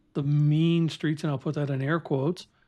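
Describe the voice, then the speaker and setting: Over a quiet background, a man talks with an Upper Midwest accent. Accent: Upper Midwest American. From Minneapolis. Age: 60s. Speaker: podcast host. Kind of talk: interview.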